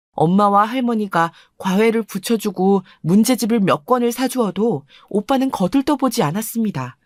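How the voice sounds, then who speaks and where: Brief: female story narrator, calm and confiding, dry close sound. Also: medium pitch, no room sound. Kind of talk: first-person story narration.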